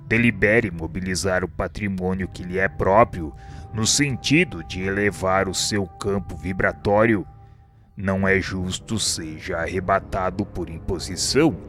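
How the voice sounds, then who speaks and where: A man playing a wise spirit instructor in a radio drama, speaking in a formal, measured, sententious way. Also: sits low, a bit bright. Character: solemn, wise male spirit instructor explaining divine law. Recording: music bed behind the voice.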